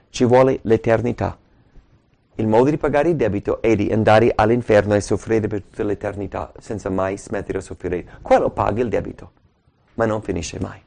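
A man's voice: mid-range voice, gravelly, darkish tone. A man preaching a sermon with emphasis, repeating key words and asking rhetorical questions.

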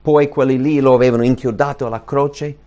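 A man preaching a sermon and reading scripture aloud, swinging between loud, high emphatic bursts and quiet, low asides. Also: steady tone, brisk. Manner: reads scripture aloud to the congregation.

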